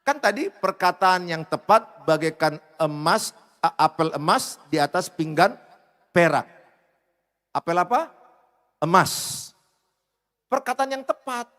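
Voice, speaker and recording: A man preaching a sermon as pastor, speaking in a humorous, animated way. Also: high voice, slow pace, pauses often. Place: church hall. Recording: reverberant church hall.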